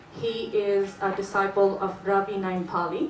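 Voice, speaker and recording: With a Bengali accent, a woman speaks at a medium pitch and fairly even intonation, with audible room echo and noticeable background noise. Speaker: classical dancer. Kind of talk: stage introduction. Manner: halting, many fillers.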